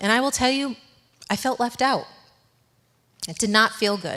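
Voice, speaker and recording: On a very clean recording with a silent background, a woman with a New England accent speaks with ordinary pitch variation. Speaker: business executive. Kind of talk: speech to an audience. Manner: conversational.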